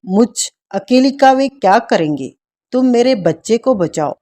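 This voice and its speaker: A woman reading an audiobook voices a desperate young mother who pleads in anguish for her baby, slowly and softly. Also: a little high, expressive. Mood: pleading.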